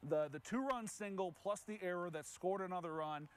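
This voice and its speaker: An American man hosting a casual sports chat, repeating himself and pausing as he finds his phrasing. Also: high voice, clear, resonant tone. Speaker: sports director, show host.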